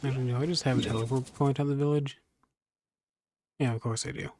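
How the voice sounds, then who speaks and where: A man's voice: medium pitch, steady tone, quick pace, a little mellow, a little hiss or hum. A man playing a video game, casually commenting and reading dialogue choices aloud.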